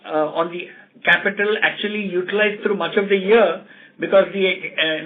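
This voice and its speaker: A man with an Indian accent formally reading out financial results as a company executive, in a measured way, over a telephone conference call. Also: high voice. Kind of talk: scripted financial results presentation. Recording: tinny narrow phone line.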